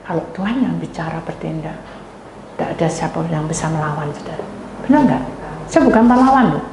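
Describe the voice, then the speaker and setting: A woman pastor with a Javanese accent, preaching a sermon as animated storytelling that addresses the congregation. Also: sits low, brisk. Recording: echoey hall with faint noise.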